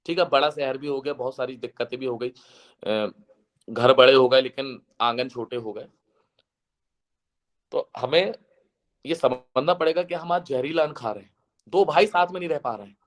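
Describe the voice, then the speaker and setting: A man speaks to a seated audience in an earnest, preaching tone. His voice is slightly hoarse, and he slows to a measured chant for recited verses. His pitch sits in an ordinary middle range. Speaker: guest speaker. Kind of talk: devotional lecture to a seated audience.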